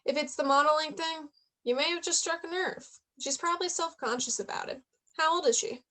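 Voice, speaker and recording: A woman with a high, sharp-toned voice speaks fairly quickly, playing an eighteen-year-old journalism student in a staged reading of a naturalistic play. The character is playful, persistent, chatty, and probing, with a reassuring mood.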